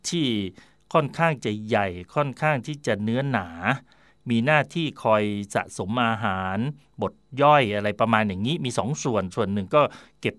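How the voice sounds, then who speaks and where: A man hosting a radio talk slot, chatting in a digressive way about where words come from, with fillers and quick self-corrections. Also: medium pitch, animated, a bit bright, no echo, clean studio sound. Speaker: radio host. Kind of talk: explaining word origins in casual talk.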